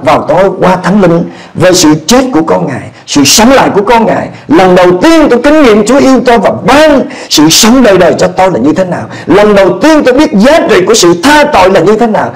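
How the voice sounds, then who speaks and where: Middle-aged male pastor from Vietnam, high voice, sermon testimony, swings between hushed and fervent. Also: poor audio. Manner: swings from low quiet narration to loud high fervent exclamations.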